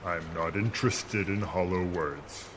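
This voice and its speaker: Deep, grand ancient sea monster. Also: male voice, measured pace. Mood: indignant, scornful. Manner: grand, stern, formal speech. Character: ancient immortal sea monster, scornful and vengeful guardian. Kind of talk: audio drama acting. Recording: clear watery ambience noise behind voice.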